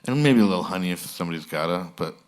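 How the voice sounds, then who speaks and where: Low-voiced man hosting, dry jokes. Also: animated, racing. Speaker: host. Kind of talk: casual live interview.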